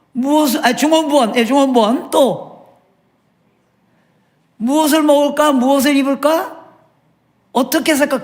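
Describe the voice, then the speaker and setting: A middle-aged man, a missionary, preaching a sermon in a church, putting frequent questions to the congregation and dropping at times to a hushed voice. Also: very high-pitched. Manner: asks the congregation questions, shifts between loud and hushed speech. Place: church sanctuary.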